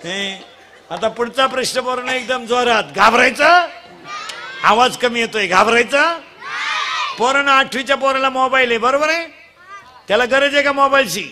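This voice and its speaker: A man giving a comic kirtan sermon, teasing and quizzing the children in the crowd and demanding loud answers. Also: very high-pitched, normal speed, noisy background. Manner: bursts into shouts at times. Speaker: kirtan preacher. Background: audience sounds.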